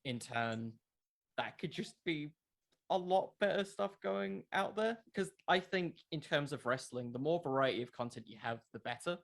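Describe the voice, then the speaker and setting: A man's voice: a little high, animated, normal speed, creaky, a bit bright. A young man talking casually as an interview guest, explaining things earnestly in a rambling way. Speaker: interview guest, wrestling content creator.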